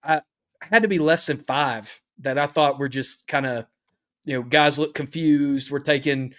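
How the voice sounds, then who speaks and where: A man co-hosting a casual sports podcast, talking in a measured, agreeable way. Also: a little high, a bit bright. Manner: measured, agreeable, many "uh" fillers.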